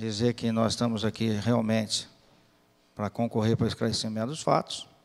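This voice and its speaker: A man speaks at medium pitch and a moderate pace. He has a plain, everyday voice. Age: 60s. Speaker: municipal secretary. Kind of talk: formal testimony. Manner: formal.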